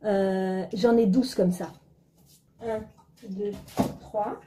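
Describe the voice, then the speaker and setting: A woman vlogger showing her groceries in a casual video at home, chatty and teasing, counting items out loud. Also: mid-range voice, fairly even intonation, drawn-out words, heavy background noise.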